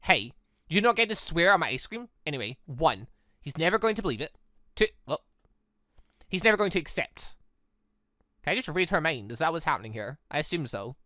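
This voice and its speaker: A man reading a visual novel aloud with chatty, excitable commentary, jumping up in pitch when surprised, on a close desk mic. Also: brisk, pauses often, no room sound. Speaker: gaming YouTuber.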